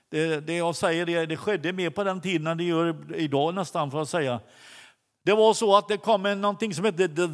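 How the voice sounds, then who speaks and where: A man preaching a sermon, telling a story with many halting restarts. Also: a little high. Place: church hall. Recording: long hall reverb.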